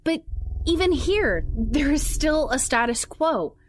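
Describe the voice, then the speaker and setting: An actress playing a thoughtful, questioning female student in an audio drama, deliberate and probing. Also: sits high, lively intonation, a little hiss or hum.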